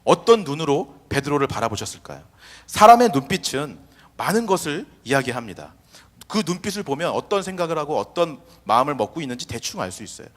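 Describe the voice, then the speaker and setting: A man's voice: on the high side, big pitch swings, fairly quick. A young man preaching a sermon as pastor, acting out imagined quotes in changing voices. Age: young adult. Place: church sanctuary. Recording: long hall reverb.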